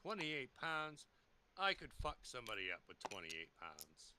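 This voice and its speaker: A man's voice: mid-range voice, sing-song, moderate pace, very noisy. A man playing a tabletop game, joking around in laid-back casual chat. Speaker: player.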